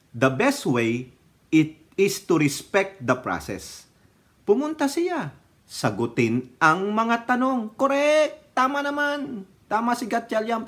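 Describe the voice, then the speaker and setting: Filipino man, political vlogger, slow drawn-out delivery, slightly high voice, mocking, frequent laughter. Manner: mocking, laughs often, sings snatches of songs. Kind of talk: casual political commentary.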